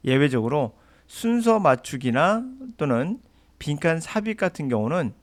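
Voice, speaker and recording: A man teaching an English lesson in an emphatic, argumentative lecture style. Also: a little high.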